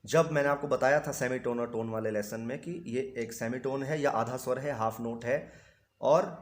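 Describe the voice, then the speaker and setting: A man with a mid-range voice explains music theory to students in a steady, patient way. He keeps posing simple questions and then answering them himself, and notes from an instrument sound between his phrases. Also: medium pitch, moderate pace. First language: Hindi. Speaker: music teacher.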